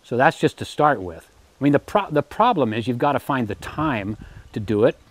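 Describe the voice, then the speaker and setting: A man in his eighties giving a relaxed, rambling tour of his homestead, often repeating words while he thinks, on a lapel mic with faint background noise. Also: medium pitch, moderate pace. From United States. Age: 80s. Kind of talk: casual tour talk. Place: outdoor garden and home pantry.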